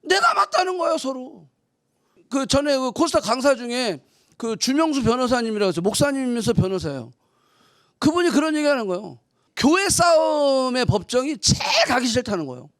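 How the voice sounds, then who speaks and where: In a high-pitched voice, a woman pastor delivers a conversational sermon, swinging from soft asides to loud, emphatic bursts and acting out teasing mock quotes. The recording is dry, with clean studio sound.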